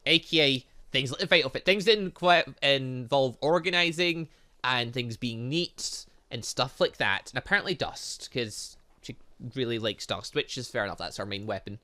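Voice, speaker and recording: A man's voice: mid-range voice, moderate pace, sharp tone. A man doing chatty, rambling let's play commentary as a gaming host, breaking into playful sing-song interjections. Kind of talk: let's play commentary, reading game dialogue aloud.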